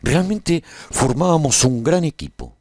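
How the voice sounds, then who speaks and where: A man playing a survivor who narrates a post-apocalyptic radio serial in the first person, in a measured, formal storytelling manner. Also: fairly high pitch, sing-song, darkish tone, dry recording, studio quality. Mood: earnest, reflective. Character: male survivor recounting the rebuilding of a post-apocalyptic world.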